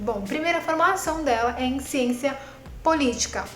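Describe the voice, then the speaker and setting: Amid audible room echo and noticeable background noise, a woman speaks at a high pitch. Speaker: image consultant. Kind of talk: video commentary lesson.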